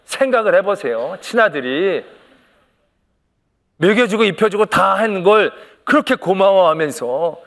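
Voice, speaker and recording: Man preaching with lively storytelling. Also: sits high, moderate pace, creaky, few pauses. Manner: storytelling preacher, acts out quoted lines with rising emphasis and humor. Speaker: senior pastor. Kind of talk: sermon. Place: church sanctuary.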